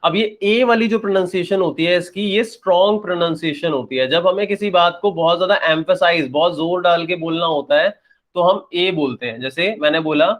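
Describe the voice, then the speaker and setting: A young man from India, his voice high and a bit bright, talks a little fast through an English grammar lesson. It's classroom-style: he explains, checks understanding, goes over points again, and answers questions he raises himself.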